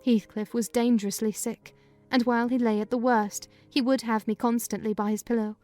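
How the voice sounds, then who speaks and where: A woman giving a dramatized first-person reading of a classic novel in measured, clear storytelling. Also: on the high side, flat delivery, darkish tone, soft background music. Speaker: reader of a novel.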